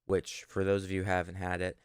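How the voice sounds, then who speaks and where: A man's voice: deep voice, monotone, quick pace, clear, resonant tone, no room sound. A young man co-hosting a casual podcast from his living room, telling stories in a rambling, self-correcting way. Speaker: podcast co-host.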